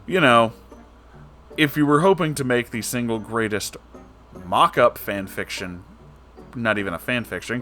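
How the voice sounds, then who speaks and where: A man's voice: medium pitch, a bit bright. A man giving casual, sweary commentary on a book as host, sarcastic and emphatic in his delivery. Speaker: host of a book reading series.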